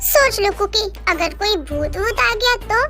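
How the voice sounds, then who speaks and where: Woman reading a gentle, coaxing caretaker, very high. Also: lively intonation, measured pace, soft background music, full character voice. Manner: coaxing, patient, mildly scolding. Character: gentle caring young woman, softly scolding. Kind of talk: storybook reading with voices.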